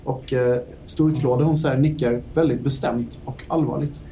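Mellow-toned man running a tabletop game. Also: mid-range voice, recorded from a distance, slight background noise. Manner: relaxed, with many fillers. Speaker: game master.

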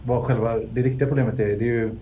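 A man's voice: medium pitch, steady tone, phone-quality sound, slight background noise. A man playing a tabletop game in character, persistent and argumentative. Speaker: player.

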